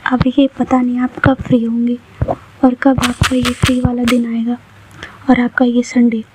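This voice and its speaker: Evasive chatty girl student as a woman storyteller reads her, high voice, flat delivery, storybook audio. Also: moderate pace, noisy background, natural voice. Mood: plain. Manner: chatty, defensive, slangy. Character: young female student, teasing and evasive. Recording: dull lo-fi recording.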